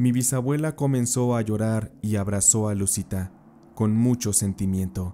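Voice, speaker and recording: A man speaks with a Mexican accent in a dark, mellow tone at a fairly low pitch. His pace is fairly slow and his loudness very even. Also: ordinary pitch variation. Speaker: horror story narrator. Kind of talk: scripted horror story narration, retelling family legend. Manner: slow, hushed, eerie storytelling with suspenseful pacing.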